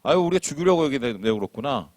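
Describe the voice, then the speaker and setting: A man's voice: mid-range voice, expressive, racing, a little mellow, no echo, studio quality, close to an everyday voice. A pastor voicing a despairing man who wails and complains that he would rather die. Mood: whining. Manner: wailing, exasperated.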